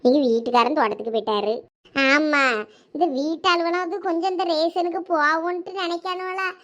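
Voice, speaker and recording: Woman, Thoothukudi Tamil accent, very high voice, gossipy, complaining, comedy skit. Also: brisk, fairly bright tone, lo-fi sound.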